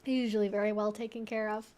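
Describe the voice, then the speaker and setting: A woman hosting a live Q&A, talking casually and explaining things in a conversational, animated way, often acting out imagined thoughts. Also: mid-range voice, quick pace. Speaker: host of a weekly live Q&A stream. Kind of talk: casual educational chat, answering viewers.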